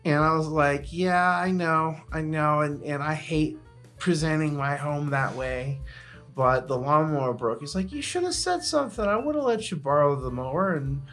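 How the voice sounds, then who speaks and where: A man's voice: on the high side, expressive, normal speed, fairly bright tone, soft background music. A man telling stories in casual comedic podcast chat, swearing freely and grumbling with animation. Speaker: podcast co-host.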